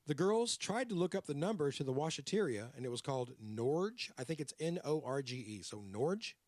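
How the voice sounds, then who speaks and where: Podcast guy telling a crime story, really animated, bouncy voice, dry mic. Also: fairly high pitch, moderate pace, dry recording. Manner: animated, drops into character voices. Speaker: podcast host.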